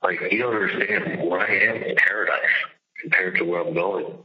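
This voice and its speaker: Low-voiced agitated man on muffled phone call. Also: steady tone, normal speed. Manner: agitated, emphatic, repeats himself. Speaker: jailed caller on a recorded phone call. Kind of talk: casual, profane phone venting. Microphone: telephone. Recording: dull lo-fi recorded jail phone call.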